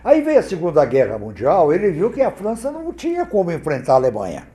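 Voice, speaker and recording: A man from Brazil, a guest on a TV talk show, demonstrating oratory in an expressive, theatrical way. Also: on the high side, fast talker, echoey room. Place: TV studio.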